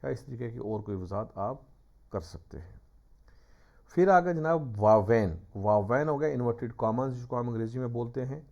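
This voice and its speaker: A man's voice: mid-range voice, animated, vocal fry, darkish tone. A male teacher giving a classroom lecture, patiently explaining step by step with examples. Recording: dull lo-fi recording.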